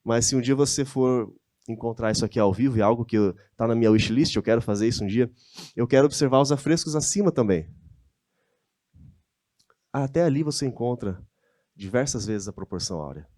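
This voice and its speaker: A man's voice: medium pitch, brisk, pauses often, darkish tone, no room sound, clean studio sound. A man with a Brazilian Portuguese accent giving a conversational lecture, often asking his audience rhetorical questions. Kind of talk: church-hosted lecture with slides.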